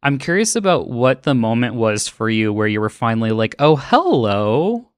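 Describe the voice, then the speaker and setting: Male podcast host, friendly and upbeat, low voice, dry close recording. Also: expressive, fairly quick, clean tone, no room sound. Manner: upbeat, laughs easily. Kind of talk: scripted podcast intro and interview.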